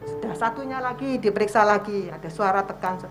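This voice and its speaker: Over background music, a church member in her 70s shares her testimony at a worship service in a fairly quick, mid-range voice. She has an East Javanese accent and acts out her prayers while telling the story.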